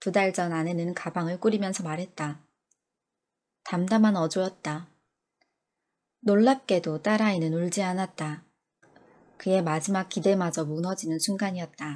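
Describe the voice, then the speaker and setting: A calm woman's voice at medium pitch and a fairly slow pace, with fairly even intonation and long, frequent pauses, on a very clean recording with a silent background. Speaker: audiobook reader. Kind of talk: audiobook narration. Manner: soft, calm, sleep-inducing.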